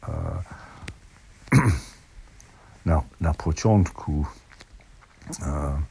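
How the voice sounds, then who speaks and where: An older man in his sixties or beyond speaks Polish with an English accent, haltingly, with hesitations and repeated, broken-off words, as in a personal voice message. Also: very deep voice, wildly swooping pitch, creaky, dark tone, slight background noise. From southern England. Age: 60s or older. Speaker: language learner sending a recorded message.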